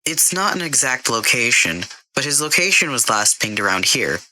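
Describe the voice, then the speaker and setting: A man voicing a dry, unflappable female AI assistant in an audio story, soft and matter-of-fact. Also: mid-range voice, big pitch swings, normal speed, a little hiss or hum, voice pushed up, poor audio.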